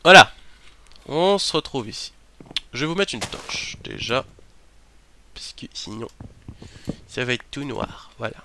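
A man giving chatty gameplay commentary as a let's play host, talking to himself and bursting into startled shouts and curses. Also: medium pitch, animated, a little slow, pauses often, noisy background.

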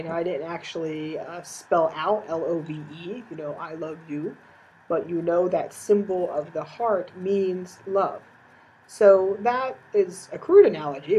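A woman's voice: lowish voice, warm tone, husky, lo-fi sound. A woman teacher giving a recorded lecture, explaining patiently with frequent fillers.

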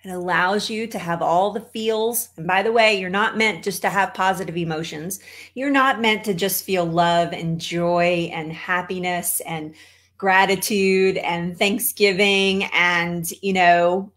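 A woman's voice: on the low side, a bit bright. A middle-aged woman from Texas with an American accent, speaking emphatically as a coach to an online audience from a home office. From Texas, United States. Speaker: holistic cancer coach, show host. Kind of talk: motivational talk to an online audience. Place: small home office, indoors.

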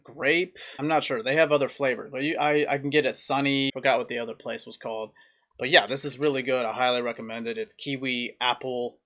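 A young man with a mid-pitched voice talks casually to camera as a food review vlogger. His delivery is plain-spoken and comes in short, halting phrases. He is recorded indoors in a small room, a little way from the camera. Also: fairly bright tone. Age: young adult.

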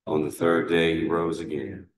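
A man leading morning prayer as a priest, reciting psalms, canticles and the creed in a measured, steady way, recorded from a distance in a large cathedral. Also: a bass voice, crowd noise. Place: large cathedral sanctuary, indoors. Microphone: far camera. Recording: echoey cathedral room sound.

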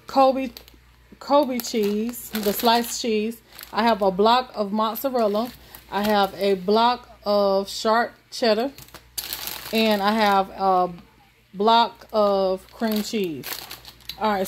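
Woman, unhurried delivery, slightly high voice, casual haul chat, phone in kitchen. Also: darkish tone, slight background noise. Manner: slow, listing items with many ums and pauses. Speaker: vlogger. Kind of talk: casual grocery haul walkthrough. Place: home kitchen indoors.

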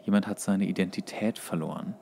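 A man's voice: deep voice, fairly even intonation, fairly quick, gravelly, darkish tone, slightly rough. A man co-hosting a podcast, chatting casually as he retells cartoon episodes. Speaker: podcast co-host.

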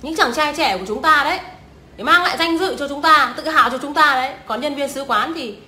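A woman's voice: sits high, fairly quick, sharp tone. A young woman, ranting scornfully and swearing often as a vlogger. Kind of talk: profane ranting commentary. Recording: echoey room.

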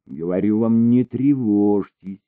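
A man reading an audiobook voices a calm male handler who talks in a soft, reassuring way. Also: fairly low pitch, unhurried, dry recording, pitched above the performer's own voice. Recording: tinny phone-like recording.

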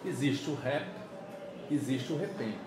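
A man in his fifties from Pernambuco, Brazil, telling stories in a chatty, animated way during an interview, often checking that his listener follows along. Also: mid-range voice, a little slow, very echoey, a loud crowd, rough recording. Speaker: musician guest. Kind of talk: casual interview. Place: small office meeting room. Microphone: camera across the table.

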